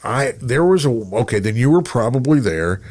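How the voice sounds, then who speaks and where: A man's voice: medium pitch, sing-song, moderate pace, darkish tone. A middle-aged man chatting casually as a radio personality, rambling through anecdotes and voicing remembered remarks. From Texas, United States.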